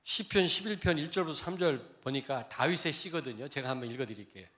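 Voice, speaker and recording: A man preaching a sermon to his congregation, chatty and direct, jumping from loud outbursts to quiet, murmured asides. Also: on the high side, animated, fast. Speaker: pastor. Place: church sanctuary.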